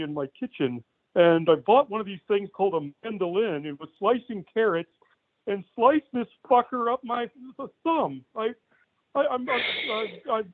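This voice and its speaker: High-voiced man on a tinny phone line. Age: 40s. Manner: calm, dry delivery of outrageous jokes. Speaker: caller. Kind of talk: deadpan call-in comedy.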